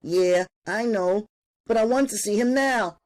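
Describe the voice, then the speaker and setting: A man's voice: measured pace, darkish tone. Man doing a frightened pleading teenage girl. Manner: pleading, high and strained.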